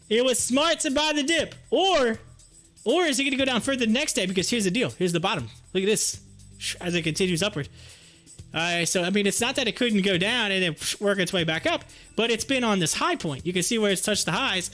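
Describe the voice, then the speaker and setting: High-pitched man livestreaming, bright voice. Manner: chatty, informal, addresses viewers directly. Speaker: livestream host. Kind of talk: casual live stock-chart commentary.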